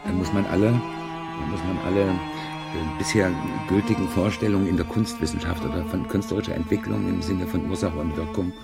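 A man's voice: sits low, fairly even intonation, fairly quick, creaky. A man giving intellectual commentary in formal sentences, hesitating as he formulates them. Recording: loud music over the voice. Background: loud instrumental music.

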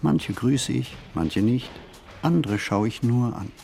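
An actor playing a pensive, hesitant city stroller in a radio play monologue, speaking deliberately and haltingly with a husky voice. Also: male voice, mid-range voice, expressive, mellow, slight background noise. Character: male pensive, hesitant city stroller musing on everyday life.

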